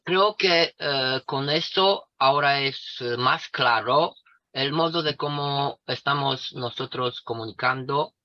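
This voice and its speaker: A man speaking slowly and deliberately on a video call, pausing often for his interpreter. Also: medium pitch. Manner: deliberate, with pauses and fillers. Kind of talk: slow lecture-like talk, pausing for translation. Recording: dry, lo-fi video call audio.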